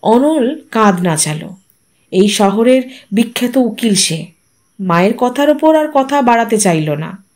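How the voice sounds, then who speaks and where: A woman narrating a literary story in a measured, expressive storytelling manner. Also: fairly high pitch.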